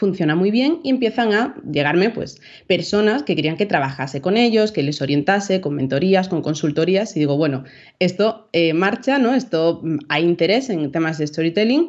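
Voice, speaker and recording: With lively intonation, a woman at a fairly low pitch talks at a moderate pace. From Spain, Seville (Andalusia). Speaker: marketing consultant. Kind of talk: interview. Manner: hesitant, many fillers.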